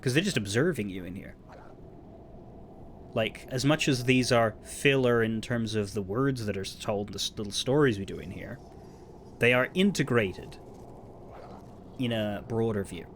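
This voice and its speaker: A man's voice: lowish voice, normal speed, pauses often, slight background noise. A man giving casual, analytical game commentary as a let's player, with some offhand swearing. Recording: game music behind voice.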